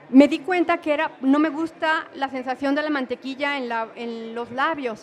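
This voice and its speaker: A woman's high-pitched voice with fairly even intonation over noticeable background noise. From Mexico. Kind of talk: lecture.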